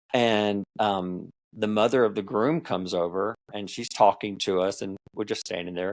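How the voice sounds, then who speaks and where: At a fairly slow pace, a man speaks with an American accent in a very clean recording with a silent background. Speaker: former TV news editor, agency owner. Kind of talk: interview, casual chat.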